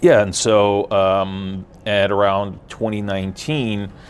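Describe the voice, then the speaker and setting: The speech moves at a very slow pace, and its intonation stays fairly even. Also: man. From Ukraine, then USA from middle school. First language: Russian. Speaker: blockchain company founder. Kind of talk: interview. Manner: hesitant, many fillers.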